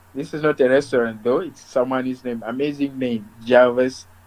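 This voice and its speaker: A man speaks with a Congolese accent. His intonation stays fairly even. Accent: Congolese accent in English, self-described. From DR Congo. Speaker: podcast host. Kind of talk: interview wrap-up on group call. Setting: online group call. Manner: halting, repeats words.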